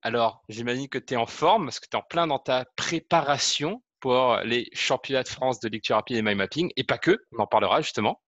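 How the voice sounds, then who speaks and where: A man's voice: mid-range voice, fairly quick, few pauses, a bit bright, no room sound, dull audio. A man hosting a casual interview, asking friendly, chatty questions with fillers. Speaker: interviewer, host.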